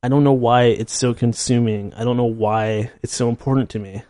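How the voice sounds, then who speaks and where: A man in his thirties talking alone on his podcast, wandering from thought to thought with a self-mocking laugh. His voice sits at an ordinary middle pitch, recorded close and dry with no room sound around him. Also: steady tone, a little fast, dark tone, no echo. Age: 30s. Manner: rambling, self-deprecating, laughs at himself. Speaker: podcast host. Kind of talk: casual solo monologue.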